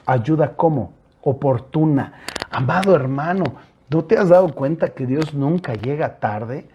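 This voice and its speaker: A man's voice: on the high side, animated, a little slow, lo-fi sound, slight background noise. A male pastor with a Mexican Spanish accent, preaching an earnest sermon that keeps addressing his listeners directly, with hesitant fillers between points.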